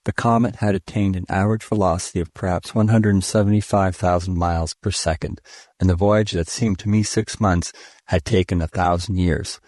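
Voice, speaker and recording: A man with a very low voice reads a classic science fiction story in a steady, measured way. The sound is dry and close, with no room around it. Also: dry recording. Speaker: audiobook reader.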